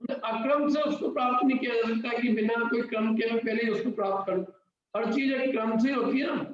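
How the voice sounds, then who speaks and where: A man's voice: extremely high pitch, fairly even intonation, fast talker. Man teaching in an echoey room. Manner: explains step by step, asks the class questions. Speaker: Jain scripture teacher. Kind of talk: interactive scripture class. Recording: very echoey, dull lo-fi room recording.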